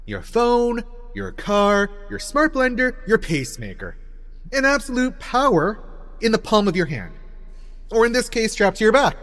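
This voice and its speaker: A man's voice: high-pitched, sing-song, moderate pace, a bit bright, long reverb tail. A young man playing an arrogant eighteen-year-old inventor, speaking in a pompous, grandiose way in an audio drama. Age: young adult. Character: arrogant teen boy inventor, pompous and ranting.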